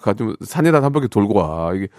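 A man's voice: on the low side, big pitch swings, fast, darkish tone, dry recording, studio quality. Chatty middle-aged male radio host. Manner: chatty, joking, reacts with mock outrage. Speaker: radio host reading listener messages. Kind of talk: casual radio chat.

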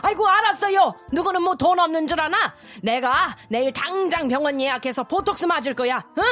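Actress as high-voiced whiny mother, envious, self-pitying, radio skit. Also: lively intonation, brisk, fairly bright tone. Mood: indignant. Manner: sighing, complaining, wailing.

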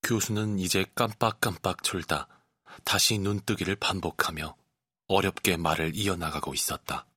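A male voice actor giving scripted audiobook narration with expressive storytelling, recorded close on a studio mic. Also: sits low, normal speed, husky, dry recording.

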